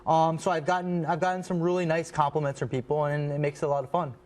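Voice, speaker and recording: A man's voice: a little high, flat delivery, fast talker, darkish tone. A man speaking as an athlete guest in a studio interview, answering casually in a modest, earnest way.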